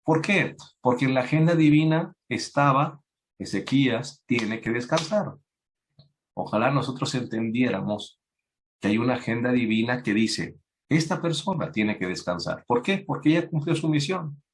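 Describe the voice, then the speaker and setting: Man preaching an animated sermon. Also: normal speed. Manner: acts out biblical voices, rises in pitch when emphatic. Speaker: youth preacher.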